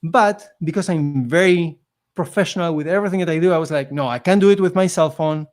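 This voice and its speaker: A fairly high-pitched man talks a little fast with a non-native accent in English. An immigrant living in Canada, he tells his story as a podcast guest, conversational in form and earnest, emphatic and motivational in spirit.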